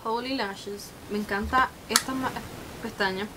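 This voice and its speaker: A young woman talks through her makeup routine with a slightly high voice. She speaks slowly and gets excitable, mixing English exclamations into her chat. A faint hiss sits under the recording. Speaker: makeup vlogger. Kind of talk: casual makeup tutorial chat.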